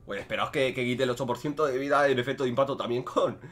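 A young man giving casual, joking commentary over his own gameplay, swinging between loud outbursts and low muttering. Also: fast. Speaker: gaming streamer.

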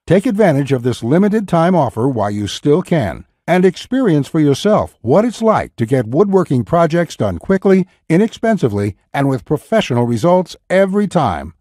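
A man reading a scripted, pushy sales pitch as a voice-over. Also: sing-song, normal speed, hardly any pauses, mellow, no room sound, clean studio sound. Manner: pushy, urgent salesman delivery.

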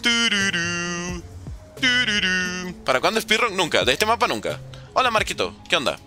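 A man's voice: sits high, wildly swooping pitch, fast, sharp tone, soft background music. A nineteen-year-old man from Venezuela, a gaming streamer chatting casually and joking sarcastically while answering viewers. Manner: joking and sarcastic while reading chat questions. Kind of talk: casual livestream commentary.

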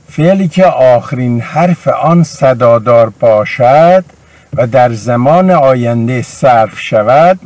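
A man at a mid pitch gives a grammar lesson. He paces each verb form slowly and deliberately, and the recording is dry and close with no room sound. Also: a little mellow, no echo. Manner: slow, deliberate drilling of verb forms. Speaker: language teacher.

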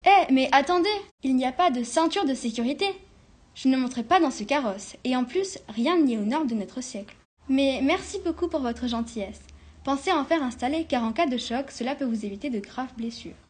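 Little Red Riding Hood, read by a student, a prim scolding young girl, high voice. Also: animated, fairly quick, a little mellow, slightly rough. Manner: indignant, scolding. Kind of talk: school class reading a storybook.

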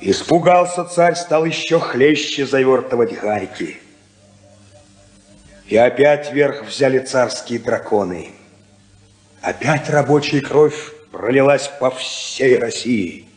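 An actor playing an older worker who gives a rousing funeral speech to a crowd, in an echoey 1950s radio play recording. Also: male voice, mid-range voice, animated, slow pace, soft background music. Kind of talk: 1950s radio drama acting.

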